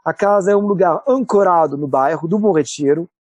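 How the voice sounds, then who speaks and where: A man's voice: high voice, a little fast, darkish tone, no echo. A man from France speaking with a French accent, a podcast guest who explains things thoughtfully with frequent hesitations. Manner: thoughtful, many filler "ah" hesitations. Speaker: guest, cultural center director. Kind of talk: podcast interview.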